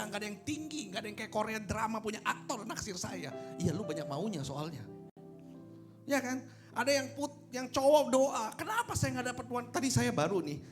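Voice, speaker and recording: Male pastor, high voice, informal teasing sermon delivery over instrumental music. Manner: informal, teasing, checks often with listeners using rhetorical questions. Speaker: pastor, preacher. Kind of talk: sermon, conversational and joking.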